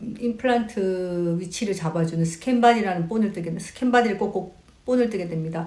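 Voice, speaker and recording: A woman talks with a Busan accent at a moderate pace. Her pitch is medium with ordinary variation. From Busan, South Korea. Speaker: dentist. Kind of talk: unscripted explanation to camera.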